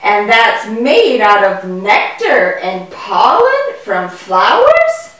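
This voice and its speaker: A woman's voice: mid-range voice, huge pitch swings, fairly bright tone, full character voice. Lady doing a curious little puppet boy, easily amazed, really swoopy, kids show, echoey and far from mic. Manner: exaggerated wonder, drawn-out questions. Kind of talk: children's educational puppet show. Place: indoor puppet stage in a room. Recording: echoey room, distant microphone.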